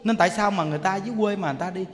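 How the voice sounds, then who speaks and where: A man giving a Buddhist sermon, telling stories in an animated way, repeating himself and addressing listeners directly. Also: high-pitched, very fast. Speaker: Buddhist monk teacher. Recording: long reverb hall.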